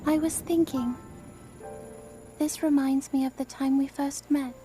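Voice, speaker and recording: An actress voicing a gentle, reflective young princess in a video game cutscene. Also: female voice, high voice, steady tone, measured pace, music in the background. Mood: wistful.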